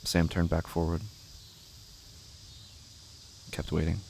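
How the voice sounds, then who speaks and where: Low gravelly guy narrating spooky story, measured and somber, faint cricket noise. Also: monotone, a little mellow. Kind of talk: slow literary horror audio drama narration. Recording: faint background noise with night insects.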